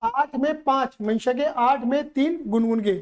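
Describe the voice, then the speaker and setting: A man's voice: extremely high pitch, measured pace. A man teaching accountancy to a live class, playful and teasing as he keeps quizzing the students.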